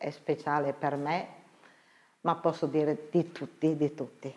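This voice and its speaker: At a very slow pace, a woman talks in a very deep, low pitch. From northern Italy, Veneto. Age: 60s. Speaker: dental patient giving testimonial. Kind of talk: testimonial. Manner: warm, grateful, effusive. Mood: grateful, enthusiastic. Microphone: lapel.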